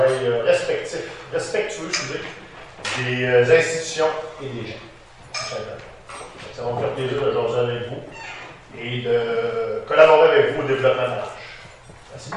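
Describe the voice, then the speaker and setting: A man's voice: medium pitch, a little hiss or hum. Man, 50s, Quebec French accent, mayor, hesitant plain speech, far from mic, echoey. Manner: plain, hesitant, with filler pauses. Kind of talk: prepared self-introduction. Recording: echoey room, distant mic.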